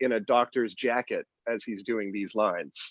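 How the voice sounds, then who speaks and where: The speaker is a man of medium pitch with a Canadian accent. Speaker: comedian. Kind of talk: casual chat. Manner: halting.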